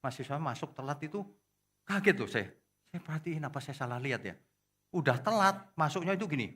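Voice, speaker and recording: A middle-aged male pastor delivers a sermon in an animated, scolding and joking way, acting out the people in his stories. His voice is bright and forceful and sits a little high for a man. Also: fairly quick.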